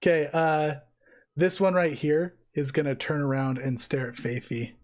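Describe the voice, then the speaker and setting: A woman's voice: low-pitched, steady tone, normal speed, darkish tone. A woman running a tabletop roleplaying game as game master, talking casually and playfully.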